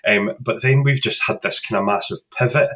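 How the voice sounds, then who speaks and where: A man's voice: on the low side, a little fast. A Scottish man from Glasgow, a podcast guest, telling his story casually with lots of ums. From Scotland. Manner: relaxed, many fillers like um and kinda.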